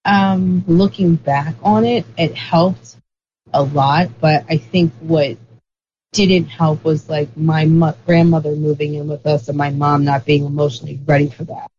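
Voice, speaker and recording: An interview guest talks through ideas at length, rambling and filling gaps with "like" and "um". The voice sits in a middle pitch. It comes through a dull, lo-fi recording with a faint hiss underneath. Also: little pitch movement, measured pace, darkish tone. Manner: rambling, heavy use of "like" fillers. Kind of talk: casual conversational explanation.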